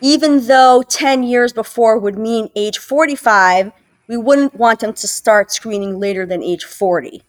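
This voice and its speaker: A woman's voice: a little high, measured pace. A woman hosting a medical interview, asking questions and confirming answers. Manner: inquisitive, confirming, friendly follow-ups.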